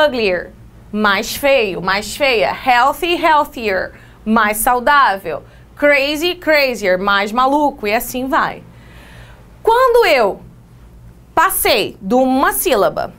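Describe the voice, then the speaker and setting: A woman's voice: high-pitched, fairly bright tone. A woman with a Brazilian Portuguese accent giving an exam-prep English lesson, explaining step by step and checking in often with her students. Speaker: English teacher.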